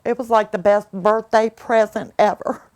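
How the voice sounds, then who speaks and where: A woman's voice: medium pitch, fairly even intonation, moderate pace, a little mellow. An older woman speaking informally in a news interview.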